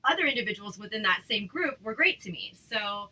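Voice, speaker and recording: Bright-voiced woman, chatty host. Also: medium pitch, expressive, a little fast, low-quality recording. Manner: chatty, many fillers and restarts. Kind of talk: casual chat.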